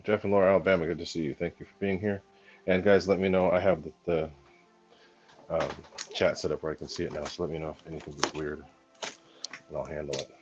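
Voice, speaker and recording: A hoarse man chatting casually on a live stream while unboxing, rambling with lots of ums and talking to his viewers. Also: deep voice, darkish tone, highs cut off. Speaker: hobby channel host.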